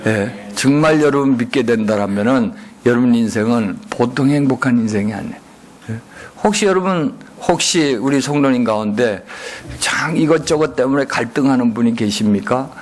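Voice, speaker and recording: 예배당에서 설교하는 중년 남성 목사로, 회중에게 수시로 질문을 던지고 응답을 유도한다. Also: male voice, medium pitch, moderate pace. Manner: call-and-response, frequent rhetorical questions. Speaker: guest pastor. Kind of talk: sermon. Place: church sanctuary.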